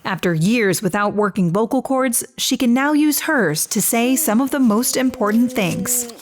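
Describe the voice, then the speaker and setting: A woman reporting a news feature in voice-over, her voice sitting slightly high. She narrates in a calm, measured, even manner.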